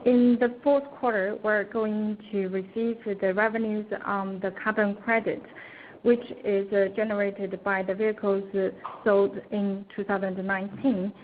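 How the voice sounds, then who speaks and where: A woman interpreting on an earnings call, speaking formally and haltingly, phrase by phrase. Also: medium pitch, flat delivery. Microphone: conference call line. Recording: tinny, noisy conference phone line.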